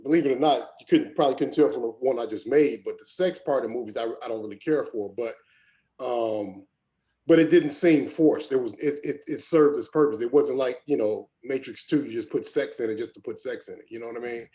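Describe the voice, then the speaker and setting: A man's voice: mid-range voice, fairly quick, mellow. A man giving informal feedback in a group discussion, plain-spoken and repeating himself for emphasis. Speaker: table read participant giving feedback.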